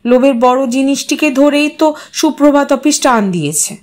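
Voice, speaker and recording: Audio story young wife, played by female narrator: light, coy, conversational, slightly guarded, higher voice. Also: moderate pace, natural voice. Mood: coy teasing.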